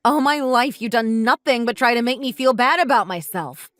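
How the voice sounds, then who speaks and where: A woman in her twenties reading a first-person story in an even, composed way. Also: fairly high pitch, normal speed, no echo. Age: 20s. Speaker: narrator.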